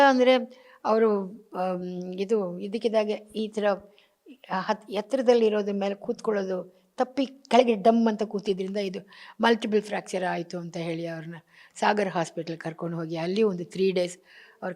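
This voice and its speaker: A woman's voice: medium pitch, darkish tone. Older woman, actress, heartfelt interview, reminiscing, slips into English, acts out remembered conversations. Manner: mixes in English phrases, acts out remembered dialogue. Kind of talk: emotional personal interview.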